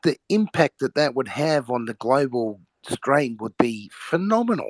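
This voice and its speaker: Lively in intonation and fairly high in pitch, a man speaks at a fairly slow pace in a dry, close sound with no echo. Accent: Australian. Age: 50s. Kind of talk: casual chat.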